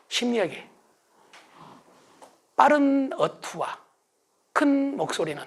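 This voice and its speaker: Man giving a lively motivational lecture. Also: sits high. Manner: asks the audience questions and answers them himself; acts out shouted family calls. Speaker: success lecturer.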